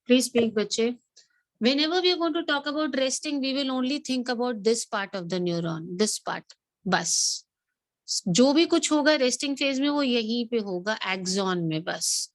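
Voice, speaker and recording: A woman's voice: fairly high pitch, expressive, racing, no room sound. A woman with a South Asian accent teaching an interactive online class, asking questions, repeating points and switching between two languages. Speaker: biology teacher.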